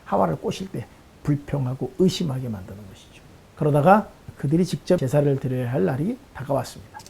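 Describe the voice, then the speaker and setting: A man preaching as a pastor in a Bible lesson sermon, lively and acting out the lines he quotes. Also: a little high, a little fast, vocal fry, slightly rough.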